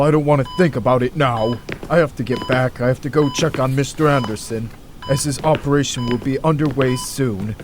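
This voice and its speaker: In an amateur audio drama, a man plays an earnest, troubled hospital doctor, delivering his lines in a deliberate, halting, dramatic way. His mid-range voice sits close to an everyday speaking voice, and he sounds dismayed.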